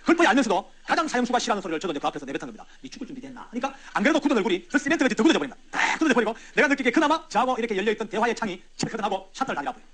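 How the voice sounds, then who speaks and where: Fast, lively preacher man. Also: high-pitched. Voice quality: wide swings from loud to hushed. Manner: animated, conversational, talks straight to the audience. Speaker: church elder giving a testimony. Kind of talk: storytelling testimony sermon.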